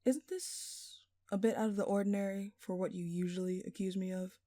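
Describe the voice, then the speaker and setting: A woman's voice: mid-range voice, fairly even intonation, a little fast, mellow, dry recording, lightly acted. A woman playing a smug, flirtatious jewel thief in an audio roleplay, teasing and theatrical, with playful sarcasm. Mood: feigned innocence. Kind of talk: intimate scripted audio roleplay.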